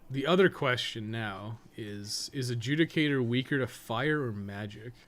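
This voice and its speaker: A man's voice: medium pitch, moderate pace, a bit bright. A young man giving casual live gaming commentary, thinking aloud in a rambling, mildly sweary way. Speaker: game streamer. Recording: noticeable background noise.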